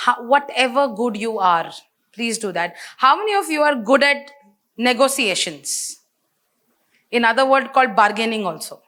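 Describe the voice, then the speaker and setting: A woman with an Indian English accent giving a lively seminar talk, asking the audience questions. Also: high-pitched. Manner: energetic, asks the audience questions. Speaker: business speaker.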